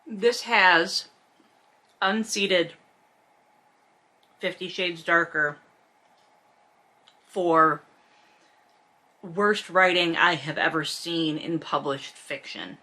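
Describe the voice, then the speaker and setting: A woman's voice: on the low side, drawn-out words, pauses often, sharp tone. A woman hosting a book read-along, reading aloud and commenting in a blunt, profane, sarcastic and casual way. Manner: sarcastic, emphatic.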